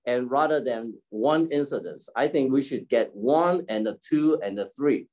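Medium-pitched, animated and a bit mellow, a keynote speaker and community leader of about 70 talks informally and without a script on an online forum. He falters and clears his throat frequently while on a video call at home next to a curtained window, heard through a desk-distance device mic.

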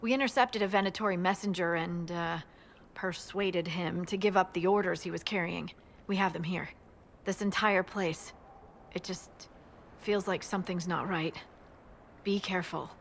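An actress playing a wry, weary military scout in a fantasy video game, reporting in a brisk, matter-of-fact way. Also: female voice, on the low side, steady tone, gravelly, slight background noise. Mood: dry, concerned.

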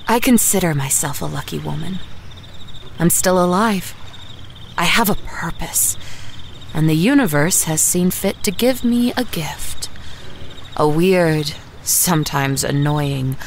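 A hardened, sardonic woman survivor, reflects in a lowish, creaky voice. She takes her time over every phrase of this defiant audio drama monologue. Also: slight background noise.

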